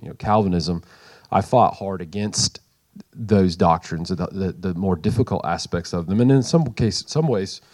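A middle-aged man sharing a comment in a group discussion, halting and repeating words as he thinks. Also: deep voice, darkish tone. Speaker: participant in the group.

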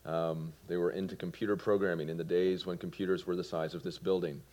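A man in his forties from Georgia with a Southern American accent, giving his personal testimony in a sermon with earnest, halting delivery. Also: low-pitched, level tone. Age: 40s. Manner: earnest, with fillers and soft laughs. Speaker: preacher.

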